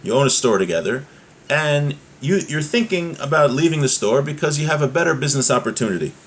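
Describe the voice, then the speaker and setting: A man's voice: on the high side, animated, brisk, breathy edge. A man giving an informal religious text lesson in an explanatory, often hesitant way, as a teacher of Jewish law. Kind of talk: text lesson, reading aloud then translating and explaining.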